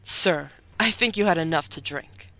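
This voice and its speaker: A woman's voice: deep voice, normal speed, pushed and bright, rough recording. An actress playing a sensible, dutiful woman officer in a fan audio drama, speaking with formal, patient restraint. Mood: patient concern. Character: sensible, sober, dutiful female military subordinate.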